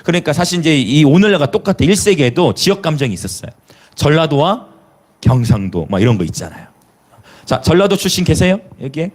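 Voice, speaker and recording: Lively pastor. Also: male voice, fairly high pitch, fairly quick. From Jeolla, South Korea. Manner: lively preaching with rhetorical questions and hallelujahs; chuckles between remarks. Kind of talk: sermon.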